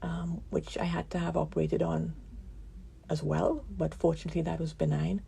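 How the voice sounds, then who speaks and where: A woman physician giving a radio interview, with a croaky voice from a damaged vocal cord nerve, explaining things calmly with many pauses. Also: low voice, a little hiss or hum. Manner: calm, explanatory, pauses often.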